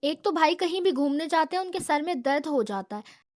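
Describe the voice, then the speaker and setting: A woman voicing a chatty young man in a storybook, complaining freely. His lines are read in a high voice with a dry, close sound. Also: animated, dry recording.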